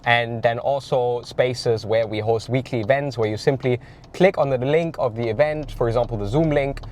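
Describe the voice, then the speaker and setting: A man's voice: mid-range voice, normal speed, a little mellow. A man, talking casually in a car, his voice nasal from a cold, with many ums and uhs. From Germany. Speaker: tinnitus coach. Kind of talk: casual vlog while driving. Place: in a car while driving. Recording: faint car noise behind.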